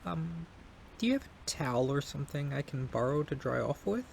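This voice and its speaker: Man playing a shy, gravelly-voiced young neighbor guy. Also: on the high side, animated, brisk, slight background noise. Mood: apologetic, polite. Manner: hesitant, apologetic, stammering, soft-hearted. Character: shy, polite, kind young male neighbor caught in rain. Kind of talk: intimate ASMR roleplay audio drama.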